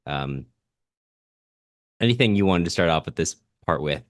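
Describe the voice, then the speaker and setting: A man with a low voice co-hosts a literary discussion podcast. He explains in an informal way, feeling for the right phrasing as he goes. The recording is dry and free of room sound. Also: animated, moderate pace, dry recording. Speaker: podcast co-host.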